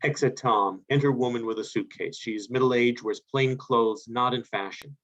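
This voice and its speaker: A man's voice: medium pitch, normal speed, a bit bright. A man reading stage directions as scripted narration for a play, over a video call. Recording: dull video call audio.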